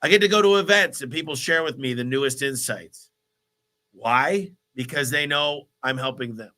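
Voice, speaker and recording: A man hosting a live business Q&A, talking in an energetic, motivational, rambling way while congested with a cold. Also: medium pitch, normal speed. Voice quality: stuffy, nasal. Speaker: host of a business Q&A livestream. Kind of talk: live Q&A answering viewer questions.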